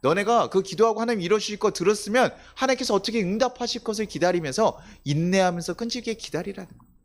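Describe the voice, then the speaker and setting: A man's voice: sits high, quick pace. A male pastor giving a conversational sermon, asking the congregation questions and acting out quoted voices. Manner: conversational preaching with rhetorical questions; acts out quoted voices of children and God.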